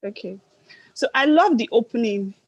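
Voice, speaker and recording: A soft-spoken woman gives a gently encouraging speech evaluation. Her voice sits a little high. The sound is dry and close. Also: lively intonation, normal speed, breathy edge, dry recording, muffled recording. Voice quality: soft, low-volume voice. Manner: gently encouraging, self-correcting.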